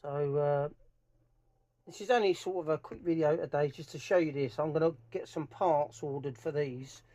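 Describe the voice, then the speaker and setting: A DIY speaker restorer presenting a how-to video, this middle-aged man gives relaxed, hands-on commentary and thinks aloud as he works. His voice is fairly high and warm, at a moderate pace, with lo-fi sound. The clear recording from his small, cluttered indoor workshop picks up background noise and handling clicks.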